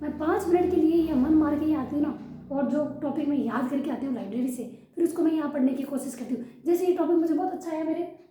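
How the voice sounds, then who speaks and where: A woman's voice: high-pitched, fast talker, dark tone, roomy sound. A young woman chatting frankly in a casual home vlog about her studying habits. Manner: chatty, frank, uses yaar often. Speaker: vlogger studying for a teaching exam. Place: room at home.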